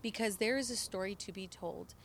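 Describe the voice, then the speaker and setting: A middle-aged woman whose first language is Spanish speaks with earnest emphasis, pressing her points with occasional restarts. She is recorded outdoors, with faint ambient noise behind her voice, and her pitch sits in a middle range. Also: brisk. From El Paso, Texas border region. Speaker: interview guest. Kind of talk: impassioned political testimony. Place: outdoors near the border.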